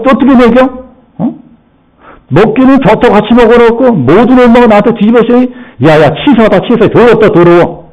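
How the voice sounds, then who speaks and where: A man voicing Eve as a nagging, scornful wife who scolds her husband in shrill taunts. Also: a little mellow, breathy edge, highs cut off, full character voice.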